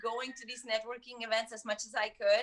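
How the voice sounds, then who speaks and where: A woman with a Czech accent talks at a fairly quick pace. Her pitch is fairly high and her intonation fairly even. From Czech Republic (Prague). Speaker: photographer. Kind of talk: casual chat.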